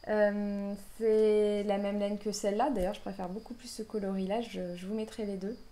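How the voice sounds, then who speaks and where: A woman's voice: mid-range voice, fairly even intonation, fast talker, warm tone, slight background noise. A woman hosting a knitting podcast, talking casually with lots of fillers and restarts. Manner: hesitant, many fillers and restarts. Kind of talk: casual chat.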